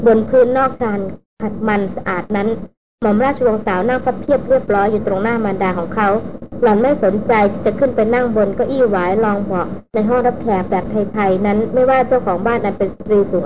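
A woman reading a novel aloud as an audiobook narrator, in a steady, measured storytelling way. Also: mid-range voice. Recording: muffled lo-fi recording with background noise.

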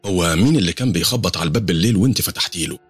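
A nervous young Egyptian woman , as a male storyteller puts her on, recounting things in a hesitant, pitched-up voice. The tone is husky and breathy, and the delivery is fast and lively. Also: no echo, soft background music, heavily acted. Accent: Egyptian Arabic. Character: anxious young woman, frightened and curious.

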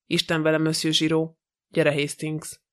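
A man's voice: fairly high pitch, completely flat delivery, fairly bright tone, lightly acted. A man reading the lines of a fussy, proud older detective in an audiobook, precise and polite.

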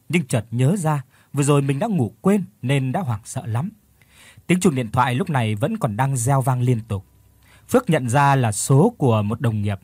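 Husky-voiced male story narrator. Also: mid-range voice, a little mellow, dry recording. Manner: dramatic storytelling. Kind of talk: scripted audiobook narration.

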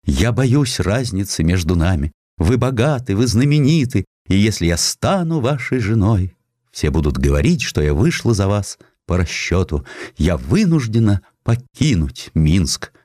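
A man's voice: fairly low pitch, sing-song, a little slow, a little mellow, dry recording, clean studio sound. A man voicing a proud, cautious young noblewoman in an audiobook, speaking in an earnest, formal and firm manner. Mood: firm, anxious. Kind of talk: audiobook character dialogue.

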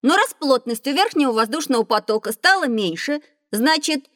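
High lively boy, a woman doing him, always asking questions, dry studio sound. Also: moderate pace, dry recording. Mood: curious. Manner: eager, full of questions. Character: lively curious schoolboy who loves running. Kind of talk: children's audio drama.

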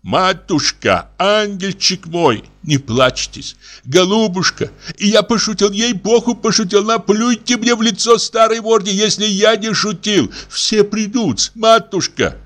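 A man's voice: high voice, measured pace, a bit bright, pitched above the performer's own voice. A man voicing an old minor official who fawns and grovels in a tearful, pleading voice. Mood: groveling. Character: fawning old male clerk, flattering, groveling.

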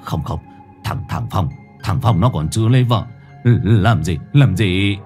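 A frightened old village grandfather stammers and trips over his words in a low, shaky voice, as a man puts him on. He sounds cornered and desperate, in a spoken ghost story. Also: expressive, measured pace, a little mellow, soft background music. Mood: terrified. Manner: stammering, panicked. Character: terrified elderly village grandfather.

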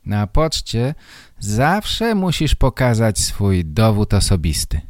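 A kindly village teacher, voiced by a male storyteller, a little higher than the reader's low, mellow voice. He is lively in tone but very unhurried, recorded dry and close. He reassures in a story read for language learners. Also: no room sound. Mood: reassuring.

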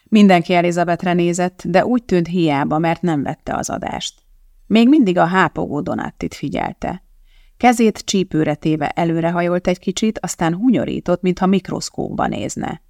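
An audiobook narrator reading a novel in a steady, measured storytelling manner. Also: mid-range voice, creaky, dry recording, clean studio sound.

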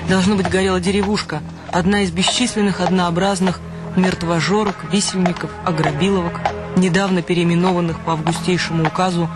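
High-voiced male narrator over music. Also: flat delivery, brisk. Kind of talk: literary radio play narration.

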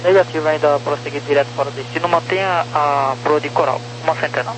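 A rapid-talking Brazilian man gives air traffic control radio instructions in formulaic phrases. His voice sits a little high and comes through a humming, noisy radio channel. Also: steady tone. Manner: formulaic, businesslike. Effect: radio transmission. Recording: noisy aviation radio with hum.

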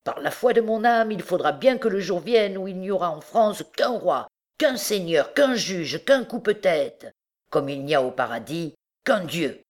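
A scheming, suspicious old king, brooding one moment and commanding the next, voiced by a woman reading an audiobook. The voice sits low and dark, with measured authority. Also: animated. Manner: musing, then barking orders.

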